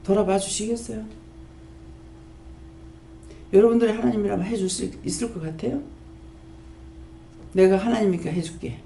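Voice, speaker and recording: A woman pastor, preaching a sermon and scolding with rapid-fire rhetorical questions. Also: medium pitch, fairly even intonation, creaky, warm tone. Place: prayer house church. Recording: echoey church hall, faint background noise.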